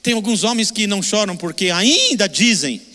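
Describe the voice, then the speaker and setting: Older male pastor, Brazilian accent, high bright voice, long hall reverb, emphatic sermon. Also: animated, moderate pace. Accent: Brazilian Portuguese. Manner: emotional, emphatic, repeats short phrases.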